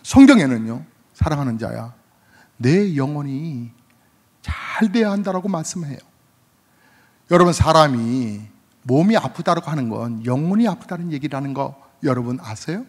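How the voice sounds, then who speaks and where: A male pastor preaches in a high voice that leaps and dives, from ringing cries down to near-murmurs. He acts out everyday scenes in quoted voices. The sound carries a long reverb, as in a large church hall. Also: expressive, normal speed, breathy edge. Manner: swings from loud cries to hushed low asides. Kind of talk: sermon. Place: church sanctuary.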